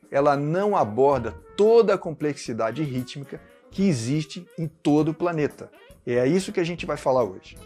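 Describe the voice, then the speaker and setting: Brazilian man teaching rhythm syllables. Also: fairly high pitch. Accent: Brazilian Portuguese. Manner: explanatory, chants rhythm syllables. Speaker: music teacher. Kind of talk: online music lesson.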